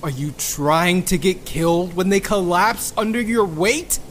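An actor playing a gruff, foul-mouthed, exasperated physicist in an audio drama, sarcastic and grumbling. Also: male voice, sits high, measured pace, a bit bright, a little hiss or hum.

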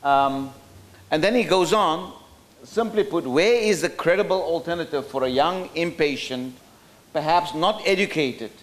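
A man's voice: on the high side, measured pace. A middle-aged man from South Africa giving a talk at a roundtable from a podium in a hotel function room, thoughtful and hesitant with many fillers and restarts. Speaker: speaker at a roundtable. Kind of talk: lecture with slides. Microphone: podium microphone.

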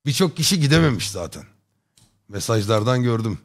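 A man's voice: mid-range voice, sing-song, fairly quick. Joking, chummy male streamer. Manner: joking, rambling, chummy slang. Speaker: live streamer chatting with viewers. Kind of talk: casual chat.

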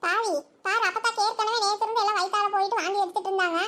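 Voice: extremely high pitch, steady tone, rapid-fire, sharp tone. A voice actor playing a scolding village mother in a comedy cartoon. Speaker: cartoon character.

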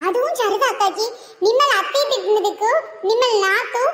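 A woman putting on a squeaky northern bride with broken Tamil. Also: moderate pace, fairly bright tone, big-room sound, a little hiss or hum. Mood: innocent. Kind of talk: comic family skit.

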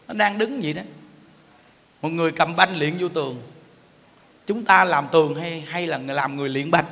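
A man's voice: fairly high pitch, a bit bright. A man with a Southern Vietnamese accent giving a Buddhist sermon, emphatic and playful, often putting rhetorical questions to his listeners. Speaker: Buddhist teacher. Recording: long hall reverb.

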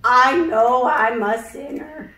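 A woman's voice: sits high, slow, pushed and bright, exaggerated voice. A woman voicing an elderly puppet teacher who explains things patiently and earnestly, in an emphatic preacherly way, for a children's puppet show. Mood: prayerful. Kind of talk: children's puppet show, scripted Bible lesson. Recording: roomy echo, distant microphone.

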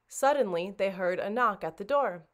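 A woman reading a children's storybook aloud like a librarian, with expressive, dramatic narration. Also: medium pitch, normal speed.

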